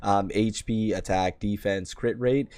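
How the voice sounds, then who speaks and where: Gaming host, man, voice shot and hoarse, low-ish, casual rambling guide talk. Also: steady tone, a little slow, a little mellow, no room sound. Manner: chatty, rambling, self-deprecating. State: hoarse, worn-out voice. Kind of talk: casual game guide commentary.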